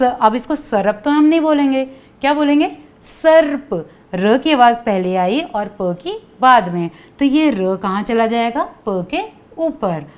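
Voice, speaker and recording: A woman teacher giving a patient grammar lesson to children, repeating words slowly and asking them to say them with her. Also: on the high side.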